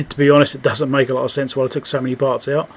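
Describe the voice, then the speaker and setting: A man giving a casual, unscripted technical walkthrough as a repair host, halting as he thinks aloud. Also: medium pitch, level tone, a bit bright, husky.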